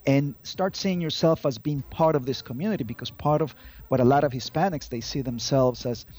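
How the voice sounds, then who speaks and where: Speaking as an interview guest for an advocacy group, a higher-pitched Colombian man in his 50s answers questions conversationally in a slightly mellow tone. The audio is lo-fi and dull, with music underneath.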